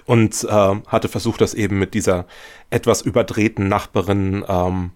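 A man's voice: fairly low pitch, steady tone, normal speed, darkish tone. A man giving reflective interview answers as a guest, thoughtful and often searching for his words. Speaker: radio play writer, interview guest.

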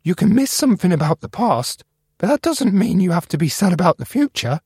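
A tiny, cheerful computer mouse with a chirpy, squeaky voice, played by a man. He bounces through his words with lively swings of pitch. The sound is dry and close. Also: fairly quick, husky, no room sound, exaggerated voice. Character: small male computer mouse, chirpy and upbeat.

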